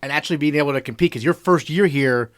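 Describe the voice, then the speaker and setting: A man's voice: on the high side, quick pace, fairly bright tone. An American man hosting a sports podcast, asking questions in a casual, conversational style. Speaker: podcast host, interviewer.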